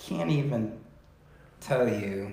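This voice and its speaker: Noticeable background noise runs behind a man's voice. Audible room echo surrounds his speech. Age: 60s. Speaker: religious discussion guest. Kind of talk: casual chat. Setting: at a home.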